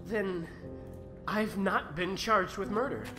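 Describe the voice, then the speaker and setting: A woman's voice: medium pitch, takes it slowly, over music, natural voice. A woman playing an earnest, troubled young mage apprentice in an audio drama, hesitant and polite. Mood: shaken, pleading.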